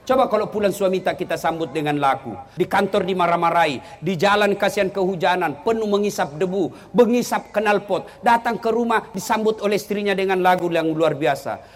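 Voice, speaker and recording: High-voiced joking male preacher. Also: a little fast, few pauses. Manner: animated, joking, swings between low asides and high exclamations. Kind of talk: humorous sermon to an audience.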